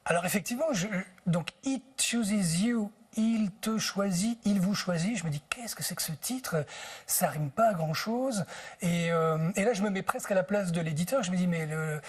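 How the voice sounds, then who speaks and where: A man's voice: sits high, normal speed, husky. A man being interviewed as a translator on TV, telling anecdotes in a thoughtful way and searching for words. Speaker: book translator, interview guest.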